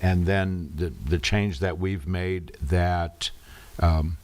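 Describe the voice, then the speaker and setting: A man chairing a council meeting as mayor, asking questions in a halting, deliberate way. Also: low voice, steady tone, a little mellow. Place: city council meeting room.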